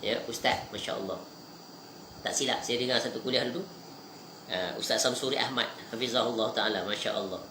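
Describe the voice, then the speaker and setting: A man giving a religious lecture, lively and emphatic, swinging between raised, pressing lines and hushed, low asides. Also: brisk. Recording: echoey room with faint background noise.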